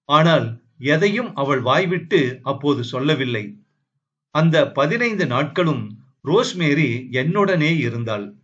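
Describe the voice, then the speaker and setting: A man reading a novel aloud in the first person, measured and solemn. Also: a little high, lively intonation, fairly bright tone, highs cut off. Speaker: audiobook narrator.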